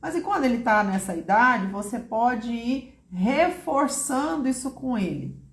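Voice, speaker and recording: A reassuring woman with a fairly high voice talks straight to her viewers and calls them by name. She sometimes acts out short quoted lines. The sound is roomy and echoey. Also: expressive, a little slow. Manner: warm, reassuring, speaks directly to viewers by name. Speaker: therapist answering viewers' questions. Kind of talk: live online talk.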